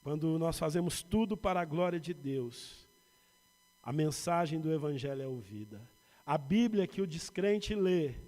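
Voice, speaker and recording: A man with a São Paulo Brazilian accent preaching a sermon as pastor, building to emphatic points and dropping to quiet asides. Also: medium pitch. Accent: Brazilian Portuguese, São Paulo. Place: church sanctuary. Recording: reverberant church hall.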